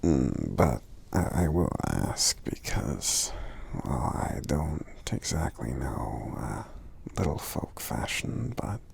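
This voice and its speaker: Very deep, gravelly, soft-spoken man as a gentle giant. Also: big pitch swings, no room sound, full character voice. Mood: kind, curious. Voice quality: very deep, gravelly, breathy, often near whisper. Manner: hesitant, halting, murmured hums between phrases. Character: friendly, gentle, unsure male giant. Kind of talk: ASMR roleplay, soft speaking.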